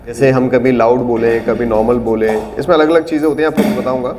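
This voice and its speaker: A man's voice: mid-range voice, fairly even intonation, quick pace, music in the background. Man teaching an acting class in a reverberant room. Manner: explains patiently, demonstrates lines with shifting volume and tone. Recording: reverberant room with faint background noise.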